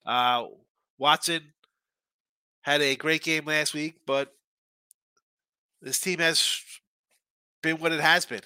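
A man's voice: fairly high pitch, fairly even intonation, takes it slowly, long pauses, sharp tone, smooth, dry recording. A man hosting a live sports betting show, chatting loosely and reading viewer comments, with a congested, stuffy nose. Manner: chatty and loose, with frequent restarts and asides.

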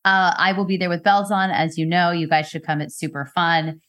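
A woman's voice: fairly low pitch, flat delivery, moderate pace, fairly bright tone. A woman hosting a sports podcast, chatting casually and playfully with a guest, laughing and teasing often. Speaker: podcast host. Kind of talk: casual chat.

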